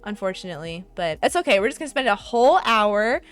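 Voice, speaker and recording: A woman's voice: mid-range voice, sing-song, fast, a bit bright, clean tone. A young adult woman with an American accent hosting a casual chat show, bubbly, giggly and playful. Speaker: host. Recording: faint background music.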